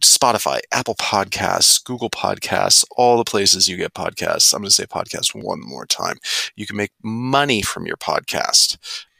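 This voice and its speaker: At a moderate pace, a man speaks with a dry, close sound and no echo. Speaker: podcast co-host reading sponsor ad. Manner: casual, playful ad read.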